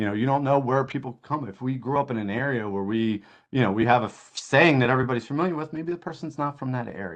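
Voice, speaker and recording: Fairly quick speech from a man at medium pitch, ordinary pitch variation, quiet background. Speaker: patient safety adviser. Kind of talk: webinar lecture. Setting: online webinar. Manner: fast; hesitant, many repeated words.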